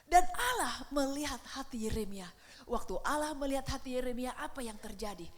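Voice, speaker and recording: A middle-aged woman preaching a sermon in a church, swinging between hushed whispers and shouts. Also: sits high, expressive, brisk, big-room sound.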